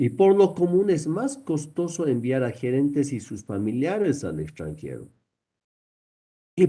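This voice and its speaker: A man speaks at a fairly slow pace in a dark, mellow tone, his pitch swinging very widely. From Bolivian highlands (La Paz/Oruro/Potosí). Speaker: university lecturer. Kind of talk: lecture.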